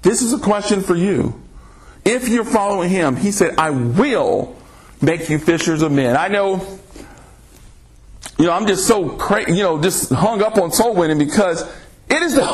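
A man preaching a sermon on a podcast, reading scripture aloud and pressing listeners with rhetorical questions. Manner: slow, emphatic delivery with sudden pitch swings.

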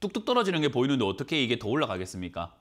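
Fast, lively man advising on stocks. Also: medium pitch. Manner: quick, rhetorical questioning, lively. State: has a cold. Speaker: stock market mentor. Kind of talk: financial advice call-in show. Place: TV studio.

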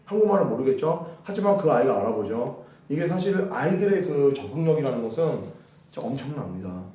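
A man's voice: medium pitch, sing-song, brisk, mellow, distant mic. Teacher, male, leads repeat-after-me drills, recorded from afar in a reverberant hall. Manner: drills phrases, repeating them and cueing the class; chatty asides between drills. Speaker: English teacher. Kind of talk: classroom English lesson.

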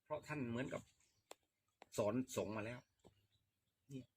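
A man telling a life story in casual chat, emphatic and animated. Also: medium pitch, moderate pace, slight background noise.

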